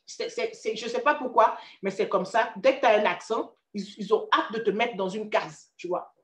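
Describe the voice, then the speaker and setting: A woman's voice: medium pitch, moderate pace, echoey room. A woman with an Ivorian accent giving a chatty career-coaching talk, speaking directly to the listener with frequent restarts. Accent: Ivorian French. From Ivory Coast. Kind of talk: casual motivational talk.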